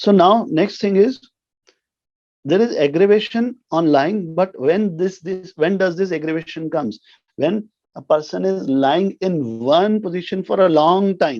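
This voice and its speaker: With music playing in the background, a man speaks at a high pitch and a fairly slow pace, his intonation lively. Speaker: homeopathy teacher. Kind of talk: lecture.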